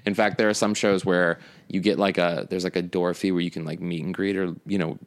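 A man's voice: sits low, level tone, brisk. A man from St. Louis, a comedian, talking in a rambling, blunt, profane way, often cutting himself off mid-sentence. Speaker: comedian, podcast guest. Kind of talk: casual podcast chat.

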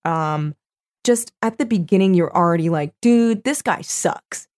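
Low-voiced woman podcast co-host. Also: unhurried, darkish tone. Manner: reads passages aloud with playful emphasis. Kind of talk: casual chat reading from a book. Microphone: studio microphone.

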